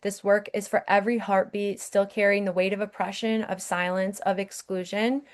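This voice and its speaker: A woman's voice: mid-range voice, little pitch movement, moderate pace. Earnest woman giving spiritual talk. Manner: earnest, urging, repeats "okay?". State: briefly emotional. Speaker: spiritual podcast host.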